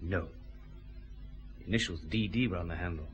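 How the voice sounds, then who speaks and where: An actor playing a firm, methodical police chief inspector, questioning a suspect in a vintage radio drama. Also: male voice, low voice, dull audio, slight background noise, natural voice. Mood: stern. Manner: brisk, methodical, dry authority.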